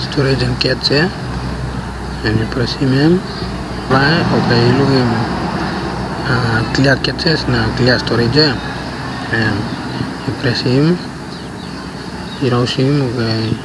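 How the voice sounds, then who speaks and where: A man with a Papua New Guinean accent giving a casual step-by-step tutorial in Papua New Guinea pidgin mixed with English. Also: mid-range voice. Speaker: tech tutorial host. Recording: loud steady background noise.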